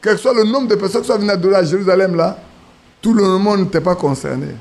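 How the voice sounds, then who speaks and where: High-voiced preacher man. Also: fast, a little mellow. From Ivory Coast. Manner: storytelling with acted quotes, restarts. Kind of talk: sermon.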